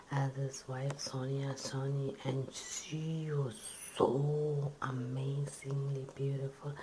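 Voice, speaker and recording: A woman tells a story in a low, breathy ASMR whisper. She goes very slowly and stays on an even, flat tone, pausing and repeating herself as she improvises. There is clear noise in the recording. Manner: halting, repetitive, improvised phrasing.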